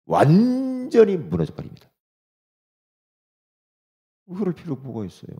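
Animated, gravelly-voiced male pastor preaching. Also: medium pitch. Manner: animated, swings between soft asides and loud exhortation. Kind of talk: sermon.

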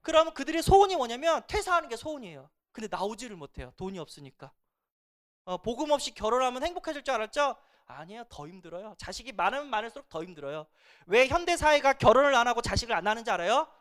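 A pastor preaching a sermon, often asking the congregation rhetorical questions and swinging between loud emphasis and hushed asides. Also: medium pitch, very animated, fast talker.

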